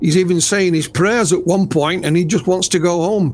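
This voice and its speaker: With music in the background, a man speaks in a Yorkshire accent at a high pitch and moderate pace with ordinary pitch variation. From West Yorkshire, northern England. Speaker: ufologist and writer. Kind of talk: interview. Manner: halting, with many fillers.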